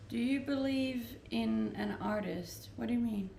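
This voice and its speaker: Livestreaming from her rented home, a Danish woman reads out viewer comments, answers them, and laughs a lot in an easygoing way. Her voice is a little high yet gravelly and dark in tone, at a measured pace, with roomy echo and slight background noise.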